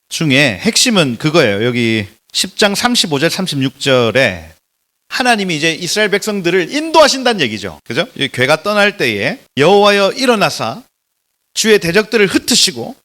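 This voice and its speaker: Man preaching in a church, kinda high bright voice, super animated, pitch all over the place. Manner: animated, emphatic, swings between loud exclamations and soft drops. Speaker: pastor giving a Bible lecture. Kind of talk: sermon lecture.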